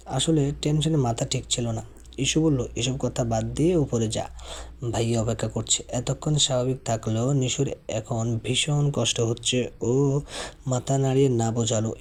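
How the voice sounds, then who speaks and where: A man's voice: medium pitch, a little mellow. A man reading a romance story aloud, voicing the narration and the couple's dialogue in his own voice, with small stumbles and restarts.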